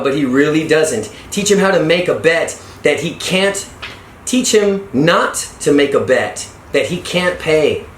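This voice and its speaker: A middle-aged man reading a self-help book aloud as a father to his son, with encouraging asides and some stumbled, repeated lines. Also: a little high. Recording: echoey room with background noise.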